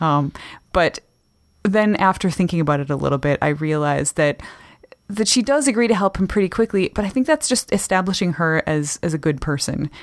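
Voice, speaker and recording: A normal speaking voice moves at a fairly quick pace with lively intonation, recorded dry and close with no echo over a silent background in a very clean recording. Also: woman, fairly low pitch for a woman. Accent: Canadian. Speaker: podcast host. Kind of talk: casual chat.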